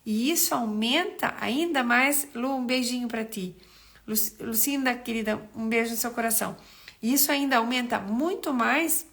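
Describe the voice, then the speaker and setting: Woman on a live stream, bit high, gravelly fry, throat still rough from a cold, rambling chatty. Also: fairly bright tone. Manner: chatty, greets viewers by name, rambles with restarts. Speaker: nutritionist hosting a live stream. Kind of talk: casual live-stream chat.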